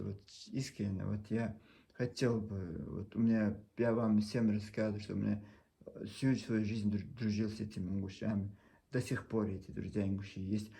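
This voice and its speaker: A man from Chechnya speaking Russian, which is not his first language, with a Chechen accent. He talks earnestly to his camera in a halting, pleading monologue and often restarts his words. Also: lowish voice, creaky, mellow. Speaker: video blogger.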